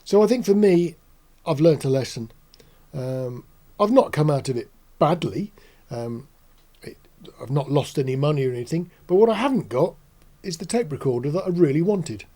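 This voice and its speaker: A man in his sixties hosting a casual explanatory talk in a measured, reflective, matter-of-fact way. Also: a little high, animated, warm tone. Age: 60s. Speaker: host. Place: small indoor studio.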